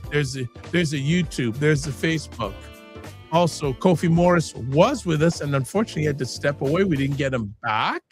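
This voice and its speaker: A man hosting a live-streamed talk show with a fairly high voice for a man. He talks in an animated, jokey way, stopping and restarting his sentences. Faint music plays underneath. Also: fairly quick. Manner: animated, self-interrupting, jokey. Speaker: host. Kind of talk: casual live-stream chat and sign-off.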